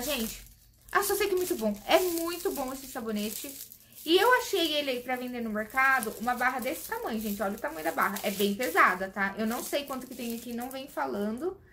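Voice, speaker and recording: A woman's voice: sits high, bright, forceful tone, slight background noise. A woman from Brazil chatting casually to camera, enthusiastically reviewing and demonstrating beauty products for her viewers. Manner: demonstrating products while talking. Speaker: beauty vlogger.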